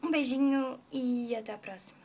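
A woman's voice: high voice, moderate pace, noisy background. A young woman vlogging a fan meetup in a park, chatty and laughing as she films on her phone. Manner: chatty, laughs often, urging friends to say hi. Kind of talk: casual vlog chat. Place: outdoors in a park garden. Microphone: phone camera held by hand.

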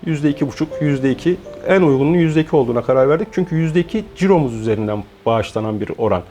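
Forties man, guest founder, warm mellow tone, measured with pauses, faint music under. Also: fairly high pitch, expressive. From Turkey. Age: 40s. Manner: measured, explanatory, with frequent hesitation fillers. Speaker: guest, founder of an online shop. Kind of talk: interview.

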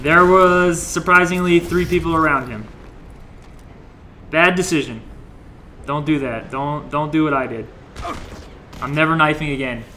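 A young man hosts a gameplay livestream in a casual, joking way, thanking followers between fights. His voice is bright and sits a little high, with a slight hoarseness from overuse. Faint gunfire from the game plays under his talk. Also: measured pace, long pauses, a little hiss or hum. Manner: chatty, joking, greets viewers while playing.

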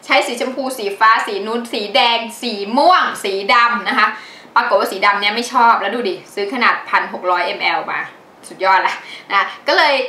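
A chatty woman with a bright, higher voice talks through her used-up products in a casual, animated way. Her voice rings around an echoey room, with a faint hiss under it. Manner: chatty, animated, laughs often. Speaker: beauty vlogger. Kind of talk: casual product review chat.

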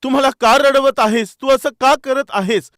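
A man's voice: very high voice, normal speed, a bit bright, no room sound, studio quality, pitched above the performer's own voice. A man voicing a small boy who pleads tearfully with his older brother over a lost paper boat. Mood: accusing, tearful.

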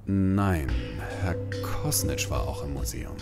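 An actor playing a shaken, hesitant museum director in an audio drama. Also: male voice, a bass voice. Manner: hesitant, halting. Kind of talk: German audio drama acting. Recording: long hall reverb, faint music.

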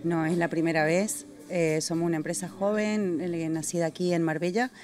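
A woman, a brand founder, answering questions in a relaxed, slightly hesitant way. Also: lowish voice, normal speed. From Argentina. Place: indoors in a busy restaurant. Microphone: handheld mic held by interviewer.

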